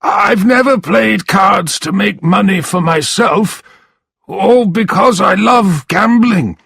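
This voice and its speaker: A man reading a story aloud and voicing a desperate old grandfather who cries out and pleads, in a raspy voice. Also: high voice, slow pace, a bit bright, no room sound, clean studio sound, pitched above the performer's own voice, exaggerated voice. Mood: pleading. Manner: pleading, crying out.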